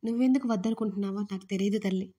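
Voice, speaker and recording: A woman voicing a worried, fatherly older man who speaks softly and pleads affectionately in an audio story. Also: medium pitch, racing, slightly rough, lightly acted. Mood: gentle.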